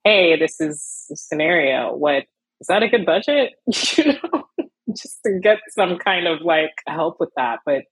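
A young woman from Miami, an illustrator talking casually in an interview, animated with frequent laughs and fillers. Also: on the low side, measured pace, husky, no echo, poor audio. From Miami, USA. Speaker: illustrator guest.

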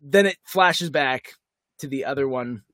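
A man co-hosting a podcast, recapping a TV episode in casual chat, animated and quick with asides. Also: mid-range voice, no echo, clean studio sound. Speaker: podcast co-host.

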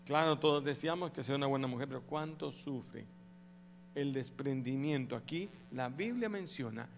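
A pastor preaching a sermon to his congregation, animated and calling out to the audience for responses. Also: medium pitch, moderate pace, gravelly, in a large hall, faint music behind. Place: church.

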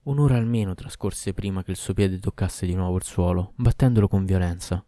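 A man narrating a story as an audiobook, reading in a measured, solemn way. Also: low voice, mellow, dry recording.

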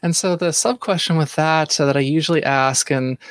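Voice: medium pitch, normal speed, no room sound. Podcast host, hesitant, filler-heavy, dry close sound. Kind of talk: casual interview.

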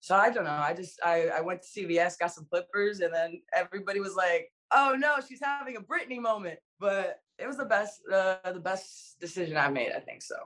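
A woman's voice: lowish voice, a little fast, few pauses, a bit bright. Casual slangy young woman. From Dominican Republic. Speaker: actress guest. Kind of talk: casual interview chat.

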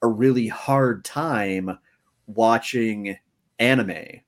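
A man co-hosting a movie review podcast, talking casually and deliberately, often restarting his sentences. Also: lowish voice. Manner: deliberate, pausing with repeated restarts.

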